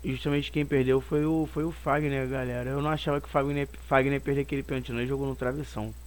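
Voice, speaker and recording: A hoarse man with a Brazilian Portuguese accent, hosting his own football channel and rambling opinionated commentary on a match, circling back on his points. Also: medium pitch, fairly even intonation, very fast. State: hoarse from a cold.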